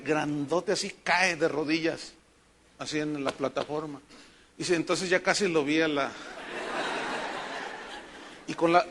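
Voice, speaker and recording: A man with a Mexican accent, a pastor preaching a sermon with emphatic rhetorical questions and animated storytelling. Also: fairly high pitch. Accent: Mexican Spanish.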